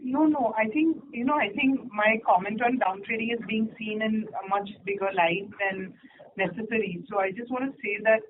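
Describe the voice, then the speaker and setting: A company executive answering analysts on an earnings call, haltingly and with repeated phrases. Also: mid-range voice. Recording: faintly noisy phone line.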